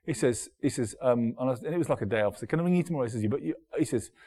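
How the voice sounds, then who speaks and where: Halting pastor, middle-aged. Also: male voice, mid-range voice, expressive, dark tone. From Derby, England. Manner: conversational, halting, with frequent restarts and repeated words. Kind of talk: sermon.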